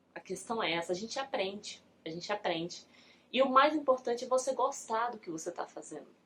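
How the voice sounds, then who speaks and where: A woman's fairly high voice at a fairly quick pace, with lively intonation and big swings in loudness. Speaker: beginning teacher and vlogger. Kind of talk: casual vlog talk. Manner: soft-spoken; hesitant with fillers.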